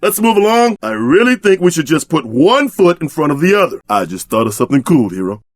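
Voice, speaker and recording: Tough video game buddy, brash, slangy, loyal, very lively intonation, dry close recording. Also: male voice, on the high side, brisk, no echo. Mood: impatient, then bored, wry. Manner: slangy, streetwise, expressive.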